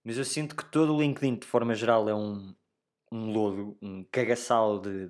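Casual young man with a European Portuguese accent. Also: fairly low pitch. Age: young adult. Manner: informal and slangy, addressing listeners directly. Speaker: podcast host. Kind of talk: casual solo podcast chat.

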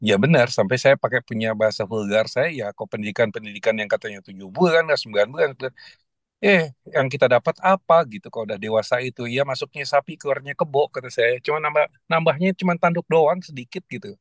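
A man with a mid-range voice talks fast as a guest on a casual panel discussion, hesitating often and filling his speech with fillers and restarts. The recording is dry.

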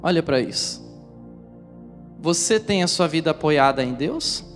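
Speaking unhurriedly in a slightly high voice, a man preaches to his congregation, telling his own story and animatedly acting out its scenes and voices as he addresses them directly. His words echo with long reverb through the church hall over faint music.

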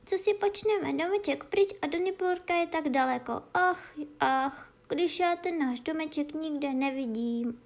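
A woman voicing a small, anxious female kitten in a children's storybook, talking in a high, pleading, fretful way.

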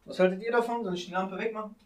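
A man's voice: sits high, fairly even intonation, very fast. A man hosting a casual chat in colloquial youth slang. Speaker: podcast host.

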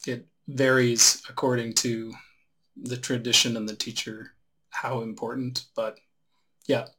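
A man guiding a relaxation meditation as a teacher, giving unhurried instructions with long pauses. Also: medium pitch, level tone, pushed and bright, slight background noise, poor audio.

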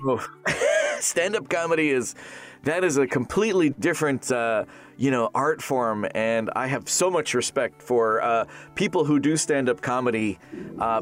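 A man, a Canadian-raised voice actor, chatting casually in an interview with lots of restarts and fillers. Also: medium pitch. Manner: rambling, many restarts and fillers. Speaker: voice actor guest.

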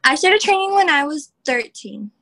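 A young woman from Texas, a professional wrestler, answering interview questions in a chatty way, full of "like" and quick laughs. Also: high voice, sing-song, bright, forceful tone. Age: young adult. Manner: chatty, heavy use of "like", laughs often.

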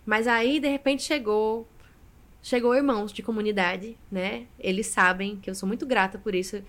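A woman's voice: mid-range voice, normal speed. A woman, a guest Catholic singer telling her story expressively in a casual podcast interview. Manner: expressive storyteller, often adds "né".

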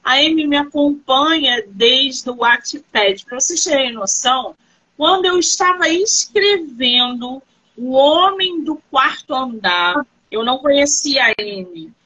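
A woman author hosts a live-stream interview, asking her guest questions in an animated, friendly way and telling stories to the viewers. Her voice is high, bright and forceful. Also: unhurried, dull audio. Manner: animated, reassuring, storytelling.

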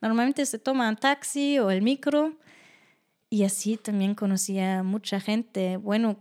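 A young woman from Germany with a German accent, speaking Spanish as a second language, telling stories from her life in a casual interview and acting out the people she quotes. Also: measured pace. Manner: animated, acts out quoted voices with high pitch jumps. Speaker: guest.

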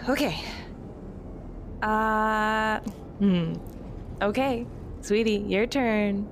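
A woman playing a mild, bashful but self-assured counselor in an audio drama, speaking with halting hesitation. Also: medium pitch, noisy background. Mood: gentle, unsure.

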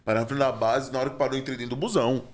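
A man's voice: medium pitch, steady tone, racing. A man with a São Paulo accent in casual chat, telling heated, slangy stories full of "mano" and "irmão". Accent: São Paulo Portuguese.

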